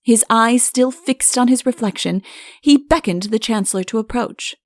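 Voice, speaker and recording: A woman's voice: a little high, normal speed, no echo, studio quality. A woman reading a comic fairy-tale audiobook as a scripted narrator.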